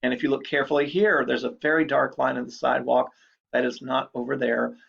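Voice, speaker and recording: A man's voice: mid-range voice, level tone, fast, vocal fry, a bit bright, breathy edge. A man giving a recorded lecture in a chatty, explanatory way, repeating key points. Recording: dull lo-fi recording.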